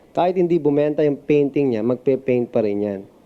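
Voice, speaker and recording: This is a plain, everyday voice with ordinary pitch variation. The pace is fairly quick. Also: man. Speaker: voice actor. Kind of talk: interview answer.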